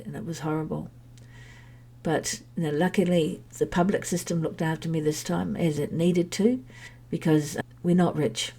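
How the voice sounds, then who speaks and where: Low, husky woman with a head cold. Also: mellow. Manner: candid, chatty, meandering. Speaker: podcast host sharing her health journey. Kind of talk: personal podcast monologue.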